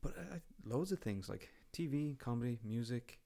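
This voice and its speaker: A man's voice: mid-range voice, animated, moderate pace, creaky, mellow. An Irish man, a podcast guest, talking casually and rambling with frequent ums, restarts and the odd swear word. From Ireland. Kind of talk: casual conversation.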